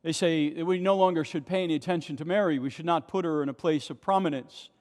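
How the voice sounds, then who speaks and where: A man's voice: fairly high pitch, fast, a little mellow. A male pastor preaching an impassioned sermon at a pulpit microphone in a large, nearly empty church, asking rhetorical questions. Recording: long church reverb.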